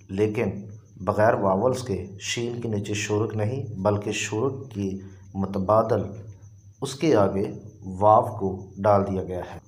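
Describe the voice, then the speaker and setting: A man with an Urdu accent, teaching a Bible lesson in a slow, deliberate, explaining way. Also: lowish voice, darkish tone. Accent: Pakistani Urdu. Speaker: preacher.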